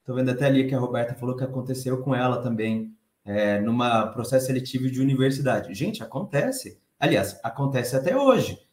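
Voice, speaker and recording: A man in his thirties with a Brazilian Portuguese accent and a soft, light voice, giving a conversational conference talk. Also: medium pitch, a little fast, echoey room. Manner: conversational, expressive, reads the chat aloud. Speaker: conference speaker.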